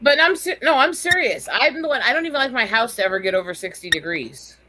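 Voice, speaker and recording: A woman's voice: a little high, lively intonation, fast, bright, forceful tone. A woman from the Black Hills with an American accent, chatting casually and emphatically, swearing freely. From Black Hills, United States. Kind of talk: casual chat.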